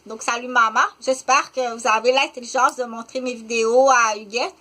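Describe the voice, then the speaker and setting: Halting Québécois woman in her fifties. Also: fairly high pitch, steady tone, pushed and bright. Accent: Québécois French. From Quebec, Canada. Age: 50s. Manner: rambling, halting, many "euh" fillers and restarts. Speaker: vlogger. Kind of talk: unscripted monologue to camera.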